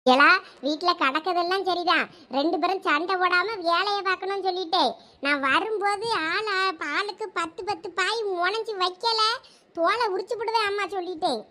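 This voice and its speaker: Brief: woman doing a nagging cartoon village mum, Thoothukudi Tamil accent, very high and piercing. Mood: scolding. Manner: sharp scolding, rapid nagging. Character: bossy village mother, scolding and threatening. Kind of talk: cartoon voice acting.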